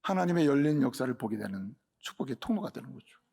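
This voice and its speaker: A man preaching a sermon as a pastor, with emphatic delivery that swings between raised and hushed passages. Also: mid-range voice, big pitch swings, fast, vocal fry, breathy edge.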